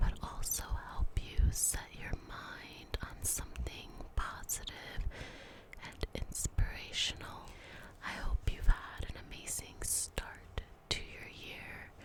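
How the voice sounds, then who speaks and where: A woman whispers at a very slow pace in a calm tone, her loudness swinging widely. Noticeable background noise can be heard. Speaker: ASMR artist. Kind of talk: casual talk to viewer. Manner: whispered; soft-spoken, calm.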